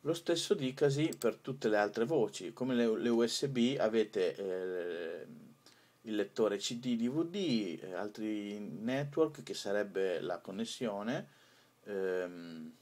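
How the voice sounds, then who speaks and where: A man walks listeners through a software screencast. His voice sits on the low side. He talks informally and makes it up as he goes, hesitating and stretching out his pauses. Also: lively intonation. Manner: hesitant, improvised delivery with drawn-out pauses. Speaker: tutorial presenter.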